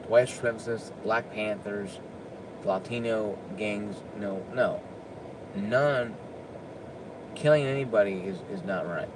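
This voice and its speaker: A man with a low-pitched voice holds forth in an unscripted opinion rant. He talks with emphasis and often stumbles into repeated restarts. A clear hum of air conditioning and passing traffic runs under the recording. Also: slow. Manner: emphatic, with frequent stammered restarts. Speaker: political commentator.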